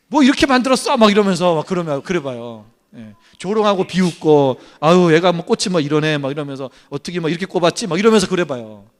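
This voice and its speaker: A man preaching a sermon as pastor, acting out quoted complaints and often calling out to the congregation. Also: high voice. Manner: animated preaching, acts out quoted complaints, keeps addressing the congregation. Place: church.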